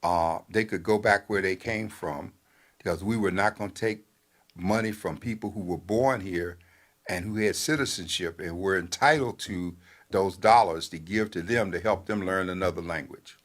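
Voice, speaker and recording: An older man, a newspaper editor, giving talk-show commentary in a measured, halting way with many fillers. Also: deep voice.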